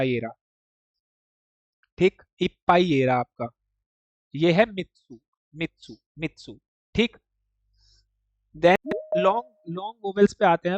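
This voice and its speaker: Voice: medium pitch, no echo, lo-fi sound. This is a language teacher leading an online class, explaining Japanese writing piece by piece. The delivery keeps checking whether the students follow and slips English terms into the explanation. The recording is dry and close, with no room sound. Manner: explains step by step, often checks understanding with "ठीक" and "देखो"; mixes English words into Hindi explanation.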